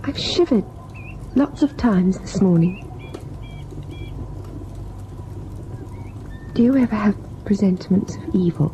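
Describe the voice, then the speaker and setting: A woman's voice: medium pitch, animated, normal speed, warm tone, natural voice. An actress playing a wistful, uneasy, girlish young wife in an old-time radio drama. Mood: uneasy, foreboding. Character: uneasy, childlike young wife, affectionate and whimsical. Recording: muffled old radio recording, faint noise.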